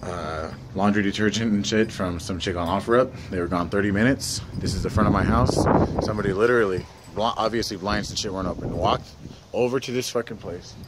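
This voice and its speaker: Low-voiced casual vlogger man. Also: fairly quick, noisy background. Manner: casual, swears freely, rambles. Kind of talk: casual talk to camera.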